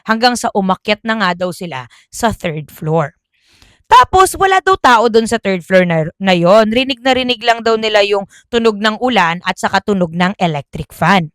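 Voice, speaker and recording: A woman's voice: medium pitch, expressive, moderate pace, dry recording. A woman telling a school ghost story in a casual, chatty way. She often stops to correct herself. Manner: chatty, self-correcting, Taglish.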